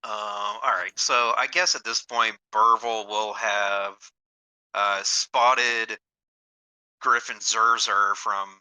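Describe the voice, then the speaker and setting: Bright-voiced man, halting player. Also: lowish voice, steady tone, clean tone, no echo, low-quality recording. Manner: halting, thinks aloud. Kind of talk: describing his character's actions.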